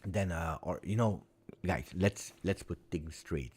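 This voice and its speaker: Speaking English as a non-native language, this fan channel host, a man in his forties, rambles through a relaxed live chat with viewers and earnestly says things more than once. His voice is low, husky and somewhat dark, and he keeps a measured pace.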